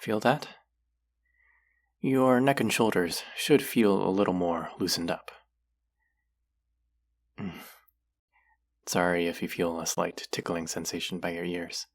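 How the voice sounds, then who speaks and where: An actor plays a caring clinic guide in a roleplay audio drama. The voice sits low, with a gravelly creak at the edges. The delivery is soft-spoken and concerned, gently scolding a patient while looking after them. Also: steady tone, slow pace, pauses often. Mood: soothing. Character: caring, gently stern clinic guide who heals espers. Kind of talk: roleplay audio drama, speaking softly to the listener.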